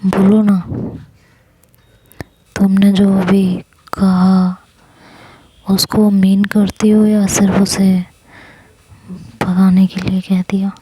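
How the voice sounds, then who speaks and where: A woman's voice: medium pitch, flat delivery, very slow, pauses often, mellow, breathy edge. A woman voicing a playful young woman who teases and coaxes the girl she loves. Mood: teasing. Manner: teasing, coaxing.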